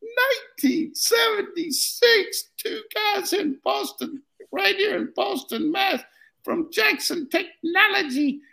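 An older man doing a high, exaggerated voice of a drunk old Irishman in a bar, caught up in a joke. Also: animated, slow pace, gravelly, pushed and bright, full character voice, poor audio. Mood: astonished. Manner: squeaky exaggerated brogue, jumping high with surprise.

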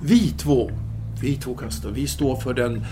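A man's voice: medium pitch, fairly even intonation, warm tone, a little hiss or hum, natural voice. An actor playing a self-absorbed French intellectual lover in an audio drama, speaking formally and hesitantly as he earnestly justifies himself. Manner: formal, halting, theatrical hesitations.

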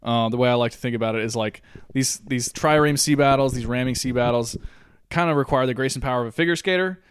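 A man with a smooth baritone co-hosting a podcast, chatting casually about history in an informal, sweary, self-deprecating way. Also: quick pace, no room sound. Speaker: podcast co-host. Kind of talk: casual chat, joking history discussion.

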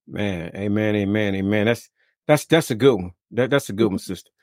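A man hosting a faith podcast as a minister, talking in a casual, warm-hearted preacher way with lots of repeated amens and greetings. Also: lowish voice, normal speed, no echo, studio quality. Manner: lively, repetitive, preacher-like affirmations. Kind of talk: casual interview.

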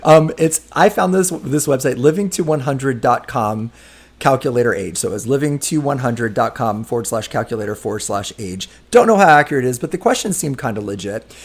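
A man's voice: medium pitch, animated, fairly quick, slightly rough. A man in his fifties hosting a casual podcast chat, leading the talk in an easygoing, chatty way. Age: 50s. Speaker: podcast host.

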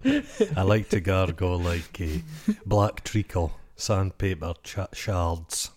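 Scottish man, middle-aged, very low voice; loose, jokey podcast co-host who wanders off topic. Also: steady tone, takes it slowly, a little mellow. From Scotland. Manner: rambling, jokey, trails off into tangents. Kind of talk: casual comedic chat.

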